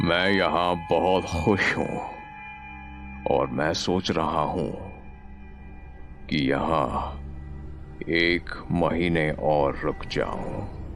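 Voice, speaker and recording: Over clear background music, a man in a put-on character voice speaks very slowly with a menacing tone and a very deep, low pitch, leaving long, frequent pauses. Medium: audio drama. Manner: menacing, mixing English and Hindi.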